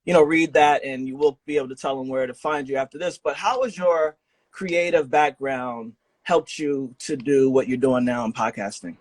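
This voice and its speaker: A man's voice: mid-range voice, moderate pace, no room sound. A man hosting a casual remote interview, speaking in a slangy, encouraging and affirming way over an online call. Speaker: podcast host and interviewer. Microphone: remote video call.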